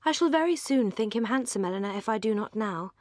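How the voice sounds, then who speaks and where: An earnest young English girl whose voice lifts higher and brighter than the narration, as a woman reads her. She speaks with romantic fervour, in a dry, close storybook recording. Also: expressive, fast talker, no room sound, lightly acted. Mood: fervent. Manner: earnest, fervent. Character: romantic, passionate teenage sister.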